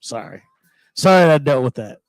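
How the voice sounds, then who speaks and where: A man co-hosting a radio show, joking around playfully with loud bursts. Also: mid-range voice, lively intonation, normal speed, no room sound. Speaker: radio co-host. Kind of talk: casual on-air banter. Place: radio studio. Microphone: studio mic.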